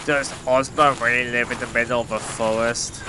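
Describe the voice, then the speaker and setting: A man's voice: mid-range voice, fairly even intonation, moderate pace, natural voice. Man playing a impatient birdman over noisy background. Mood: grumbling, sarcastic. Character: grumpy flying birdman hero, impatient and sarcastic. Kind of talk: audio drama acting. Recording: noisy amateur audio recording.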